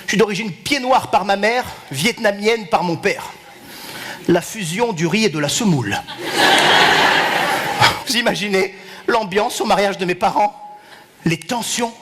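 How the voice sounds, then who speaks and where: A man's voice: high voice, a little slow, pauses often, very noisy. A man performing a stand-up routine on stage, punchy delivery, heard from a live recording.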